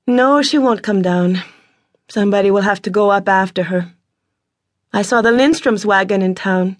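A woman's voice: medium pitch, moderate pace, dry recording, studio quality, voice pushed up, close to an everyday voice. A woman reading a firm, earnest young woman. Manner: firm, earnest, slightly raised voice.

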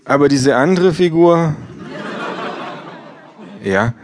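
A man voicing an indifferent female bookseller in a live comedic reading, speaking in a flat, offhand way. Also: on the high side, slow, some chatter behind, pitched above the performer's own voice. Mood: deadpan.

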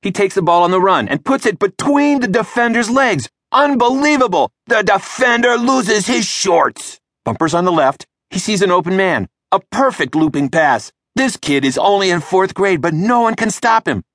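A man putting on an excited play-by-play announcer voice, calling an imagined match. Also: high voice, moderate pace, hardly any pauses, dry recording, studio quality, voice pushed up. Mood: thrilled. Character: excited boy sports announcer, loud.

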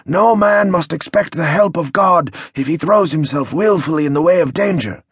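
A man's voice: a little high, expressive, moderate pace, breathy edge, no room sound, clean studio sound, voice pushed up, full character voice. A man voicing a pious old village elder who lectures solemnly and moralizes.

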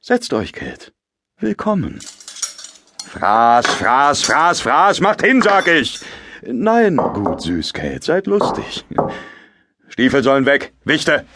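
An actor playing a loud, choleric master in a theatrical classical comedy audio drama, barking insults and switching to mock-sweet coaxing. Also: medium pitch, wildly swooping pitch, slow, a little hiss or hum, heavily acted. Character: loud, choleric master bullying servants and bride.

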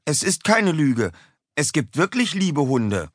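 An earnest, eager schoolboy tomcat, voiced by a man in a children's audiobook, pitched high with a lively, bouncing delivery. The voice is slightly husky and recorded close and dry. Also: takes it slowly, no echo, exaggerated voice. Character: young male schoolboy tomcat, earnest storyteller. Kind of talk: audiobook character voice.

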